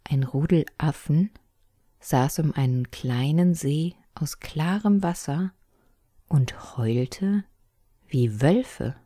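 A woman reads a children's adventure story aloud in a remarkably deep, dark voice. Her delivery is calm and expressive, and the recording is dry and close with no room sound. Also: takes it slowly, dry recording. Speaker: narrator.

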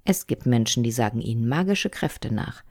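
A jittery eight-year-old big brother from a children's story, read out by a woman in a very low, dark voice. He hesitates and hems, then slips into explaining things like a little know-it-all. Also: animated, moderate pace, no room sound, clean studio sound. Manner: hesitant, fearful, tries to sound clever. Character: nervous eight-year-old boy, proud older brother. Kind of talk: storybook reading.

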